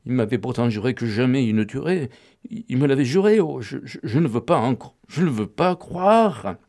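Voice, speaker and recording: A man reading aloud and voicing a desperate, tearful young woman who stammers and pleads, her voice climbing higher. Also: animated, normal speed, a little mellow, close to an everyday voice. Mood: horrified. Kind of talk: audiobook reading.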